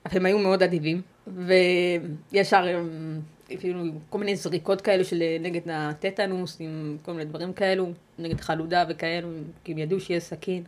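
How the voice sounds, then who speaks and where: Woman giving measured, halting testimony. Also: fairly low pitch, fairly even intonation. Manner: measured, halting, with pauses and restarts. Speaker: interview guest. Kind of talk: personal testimony in a podcast interview.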